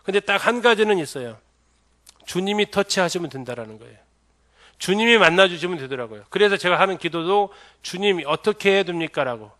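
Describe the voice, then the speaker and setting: Bright-voiced pastor quizzing his audience. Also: sits high, lively intonation, a little fast. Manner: asks the audience many questions. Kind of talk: church seminar lecture.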